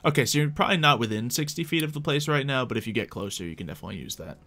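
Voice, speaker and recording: A man narrating a tabletop roleplay game as game master in a casual, improvised way with halting, informal phrasing. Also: mid-range voice, animated, bright, forceful tone. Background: faint background music.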